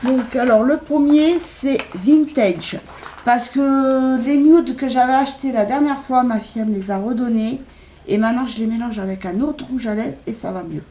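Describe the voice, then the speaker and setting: A woman's voice: a little high, moderate pace, warm tone. A middle-aged woman chatting casually in a shopping haul video, hesitant with lots of fillers. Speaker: haul vlogger. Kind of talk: casual chat.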